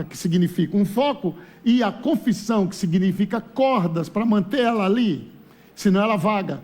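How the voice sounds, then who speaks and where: A man with a Brazilian Portuguese accent preaching a lively, humorous sermon at a church conference. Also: high-pitched. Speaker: pastor.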